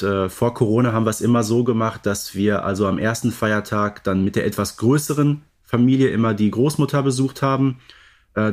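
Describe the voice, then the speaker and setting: A man co-hosting a podcast, chatting casually in a matter-of-fact, measured way. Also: lowish voice, darkish tone. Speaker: podcast co-host. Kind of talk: casual chat.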